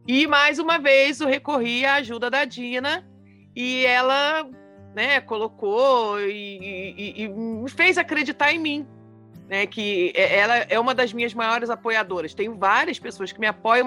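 A woman's voice: fairly high pitch, pushed and bright. A woman hosting an interview podcast, encouraging her guest and talking with frequent fillers. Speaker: podcast host.

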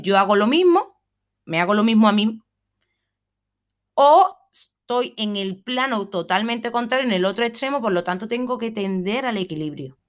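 A woman's voice: medium pitch, fairly bright tone. A woman from hosting a solo self-help podcast, talking in a reflective way and often checking in with her listeners. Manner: reflective, frequent "¿vale?" checks, some fillers. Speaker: podcast host.

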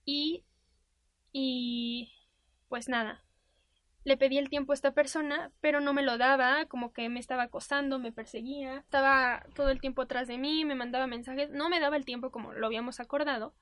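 A young woman with a Mexican accent telling a personal story to an audience in a candid, animated way. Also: sits high, fairly quick, dry recording.

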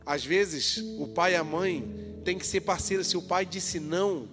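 A man preaching a sermon, telling the story in lively, slangy style and acting out the dialogue. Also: high-pitched, measured pace. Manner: lively storytelling with colloquial jokes and acted-out dialogue. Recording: hall reverb with faint music.

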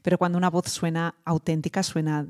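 A woman's voice: on the low side, flat delivery, fairly quick, a little mellow. A woman hosting a voice podcast and chatting casually, with frequent restarts and tag questions. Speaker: podcast host and voice coach. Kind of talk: casual conversational interview.

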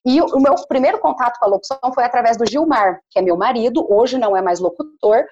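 Female, caipira country accent of northern Paraná, conversational and emphatic, slightly husky, higher-pitched. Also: quick pace, a little mellow, highs cut off. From Paraná, Brazil. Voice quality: good clear diction. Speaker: commercial voice-over artist. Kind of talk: casual conversational interview.

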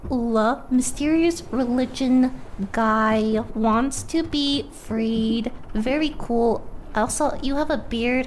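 Woman playing a breezy, high-voiced, blunt adventurer. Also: slight background noise. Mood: curious, breezy. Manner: flippant, colloquial, offhand. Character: breezy, blunt, self-assured young female adventurer. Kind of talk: improvised tabletop roleplay, casual modern chat.

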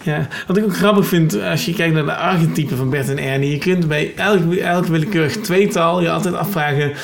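A man's voice: on the high side, fairly quick, gravelly. Man met krakerige, vrij hoge stem. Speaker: interviewer. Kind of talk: relaxed interview conversation.

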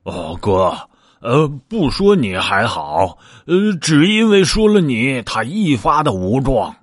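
A man's voice: mid-range voice, sing-song, slow pace, slightly rough, dry recording, studio quality, heavily acted. A man voicing a sly, lazy male pig disciple who coaxes and pleads with hesitant fillers. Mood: coaxing.

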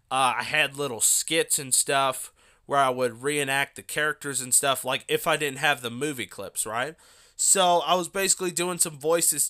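Pitched on the high side, his voice comes across pushed and bright. The young podcast host chats alone in a casual, wandering manner, full of fillers and side remarks.

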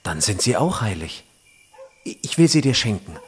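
An actor playing a young, devoted would-be warrior in an audio drama. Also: male voice, fairly low pitch, sing-song, moderate pace, husky, full character voice. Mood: tender, awed. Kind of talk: German audio drama acting.

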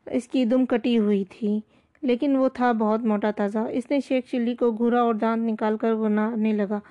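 A woman storyteller giving a steady, even scripted storybook narration. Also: fairly high pitch. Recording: dull lo-fi recording.

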